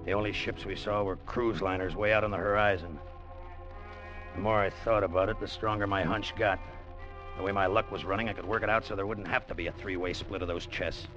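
An actor playing a scheming sailor who plots to take a salvaged treasure, narrating in tough first person, 1940s radio acting. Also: male voice, deep voice, fairly even intonation, brisk, lightly acted. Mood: brooding. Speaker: narrator and lead character. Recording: muffled old radio broadcast with music.

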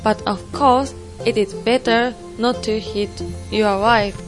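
A woman's voice: on the high side, steady tone, slow pace. A young woman playing a strict, earnest Saudi Muslim panelist in a scripted student stage play, over music. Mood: earnest, firm. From Japan. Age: young adult. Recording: music behind the voice.

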